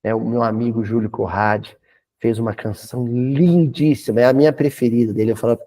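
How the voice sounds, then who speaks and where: A man with a Brazilian Portuguese accent giving a spiritist talk in a folksy, animated way, with humorous asides. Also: mid-range voice, fairly quick. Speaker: spiritist lecturer.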